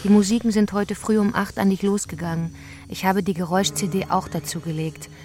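A woman's voice: medium pitch, little pitch movement, a little fast, a little mellow, soft background music, lightly acted. A woman reading emails and notes as scripted narration in a radio play. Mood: composed.

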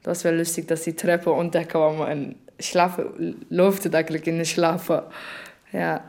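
A woman's voice: low-pitched, little pitch movement, unhurried, creaky, darkish tone. A woman who is not a native German speaker, sharing personal thoughts in a casual, conversational way. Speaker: interviewee in a radio documentary.

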